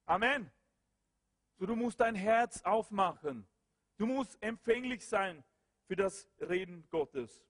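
High-pitched impassioned male preacher. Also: expressive, slow, pauses often. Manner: impassioned, swings between loud calls and low murmurs. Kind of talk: sermon with prayer. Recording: long hall reverb.

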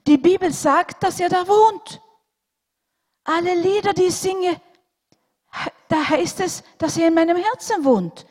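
A woman voicing a small, sick, trusting boy who talks high and insistently. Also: a little slow, long pauses, a little mellow. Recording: long hall reverb.

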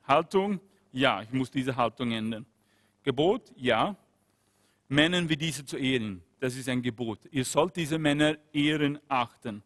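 A man's voice: a little high, a bit bright, long reverb tail. A man giving earnest sermon-style Bible teaching, repeating phrases and asking his listeners questions.

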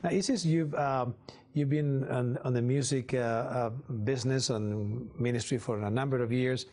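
A man's voice: mid-range voice, fairly even intonation, moderate pace, darkish tone. Guy hosting a tv music show, lots of uh and um, keeps saying yes uh-huh. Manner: hesitant with fillers, frequent affirmations. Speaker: host. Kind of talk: TV interview.

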